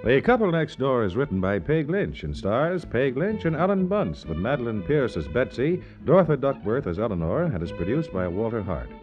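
A man's voice: mid-range voice, big pitch swings, moderate pace, few pauses, music in the background. A man doing scripted 1950s radio announcing in a polished, salesmanlike manner. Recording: dull 1950s radio recording.

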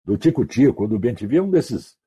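A man from Mato Grosso do Sul tells slangy radio anecdotes over an online call. His voice is very husky and dark, fairly low, and swings widely in pitch as he acts out the people in his stories. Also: moderate pace. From Mato Grosso do Sul, Brazil. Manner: animated anecdotes, acting out quoted voices, slangy. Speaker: guest, radio announcer. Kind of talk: casual storytelling.

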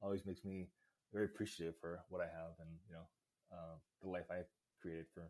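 A man's voice: low-pitched, little pitch movement, fairly quick, darkish tone. A man from Vietnam speaking as a podcast guest, hesitant and reflective, with many uhs and ums. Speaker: interview guest, real estate investor. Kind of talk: casual interview chat.

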